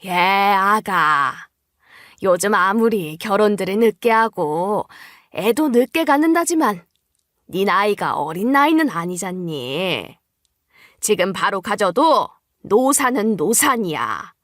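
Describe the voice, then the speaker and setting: Woman doing a pushy older mother-in-law in a story drama, coaxing and scolding, swingy pitch. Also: sing-song, takes it slowly, a bit bright, no room sound, clean studio sound. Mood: nagging, coaxing. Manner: coaxing, admonishing. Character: nagging older mother-in-law pressing for a grandchild.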